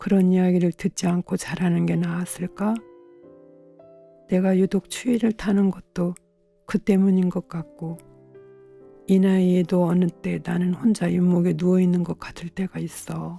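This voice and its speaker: With music playing behind her, a woman of medium pitch speaks fairly slowly in a flat monotone, leaving long, frequent pauses, and the sound is dry and close with no echo. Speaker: book reader. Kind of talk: literary reading of a novel.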